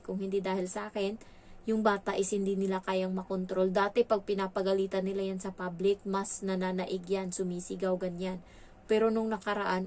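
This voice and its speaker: A woman's voice: medium pitch, a little mellow. A young woman vlogger telling a story in casual chat, chatty, with many fillers and restarts.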